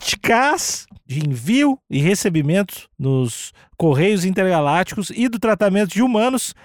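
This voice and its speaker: A man's voice: high-pitched, sing-song, moderate pace, dry recording, studio quality. A man with a Brazilian accent co-hosting a comedic podcast, voicing faux-cautious accusations in a mock-earnest tone. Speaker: podcast co-host. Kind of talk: comedic mock-serious news chat.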